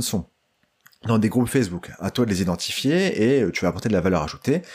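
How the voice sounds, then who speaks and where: A medium-pitched male voice with lively intonation, on a very clean recording against a silent background. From northern France, Dunkirk. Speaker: podcast host, network marketing coach. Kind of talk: solo podcast monologue. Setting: home bedroom. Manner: casual, hesitant with fillers.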